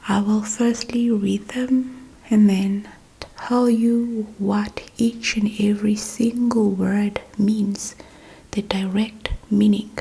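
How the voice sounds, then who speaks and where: A woman whispers an ASMR language lesson at a very slow, unhurried pace. Her hushed voice has a gravelly, creaky edge, and she softly repeats words again and again into a close mic. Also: medium pitch, little pitch movement.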